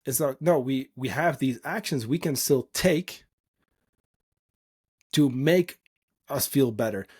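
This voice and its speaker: A man's voice: mid-range voice, slow, pauses often, darkish tone, breathy edge. A man from the Netherlands, a native Dutch speaker, hosting a solo podcast and coaching in an informal, earnest, emphatic and unscripted way.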